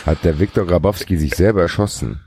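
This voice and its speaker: A man co-hosting a casual podcast who keeps chiming in with lively running commentary. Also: low-pitched, brisk, a little hiss or hum. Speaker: podcast co-host.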